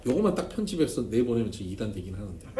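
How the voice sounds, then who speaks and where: A man, a pastor, preaching at a church seminar and telling stories with humor and sudden emphasis. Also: fairly low pitch. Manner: storytelling with humor, emphatic swings in loudness. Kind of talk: seminar sermon. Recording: echoey church room, faint noise.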